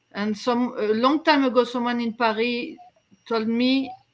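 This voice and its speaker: A woman with a French accent speaks very slowly in a high voice, on a very clean recording with a silent background. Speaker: singer. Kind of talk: interview. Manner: halting.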